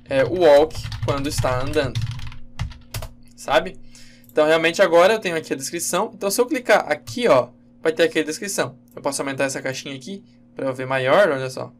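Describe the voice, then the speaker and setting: A man giving a casual, halting screen-recorded programming lesson, with many fillers and self-corrections. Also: a little high, faint music behind. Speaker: game development instructor.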